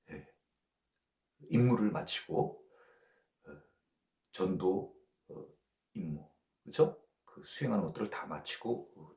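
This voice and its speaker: A male pastor teaches a Bible study in a relaxed, conversational way. He often checks in with his listeners through short tag questions and chuckles lightly between points. His pitch swings widely, and the recording carries a noticeable room echo. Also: gravelly.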